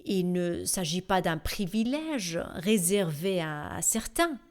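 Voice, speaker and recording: A woman voicing a panel discussion in a measured, deliberate way, with small hesitations. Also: fairly low pitch, animated. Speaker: voice-over translator.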